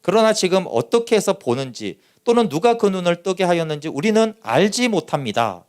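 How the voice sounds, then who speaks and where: A man's voice: sits high, sing-song, fairly quick, a little mellow. A male pastor preaching a Sunday sermon, reading scripture and acting out the voices of its figures. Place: church sanctuary.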